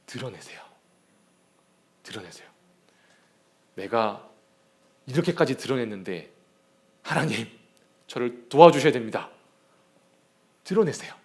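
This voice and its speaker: A young man preaching a lively sermon to young people, telling stories and acting out the scenes. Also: mid-range voice. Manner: animated storytelling, shouts and acts out scenes. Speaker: youth pastor.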